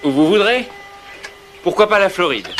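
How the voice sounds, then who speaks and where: A man's voice: high-pitched, big pitch swings, normal speed, background noise. An actor dubbing a cheerful, easygoing young man who comes calling, in a playful, breezy manner. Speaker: visitor courting a young woman. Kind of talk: French film dub.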